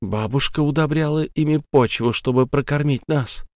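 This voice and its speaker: Terrified young woman begging for her life, voice pushed high and shrill, as a male narrator puts her on, dry close recording. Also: moderate pace, a little mellow, dry recording, lightly acted. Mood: pleading. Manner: high, shrill, sobbing pleas.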